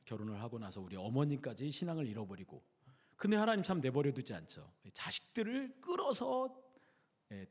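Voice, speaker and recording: A man preaching a sermon with a lively, rising and falling voice at a mid pitch. He talks to the congregation in a conversational way and keeps asking them questions. His voice carries a long reverb from the church hall. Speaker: pastor. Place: church sanctuary.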